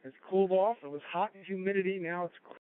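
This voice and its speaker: A man's voice: high-pitched, steady tone, fast talker, very noisy. A man chatting casually as a novice amateur radio operator, heard over a two-way digital radio. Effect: two-way digital radio transmission. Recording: dry, muffled digital radio audio.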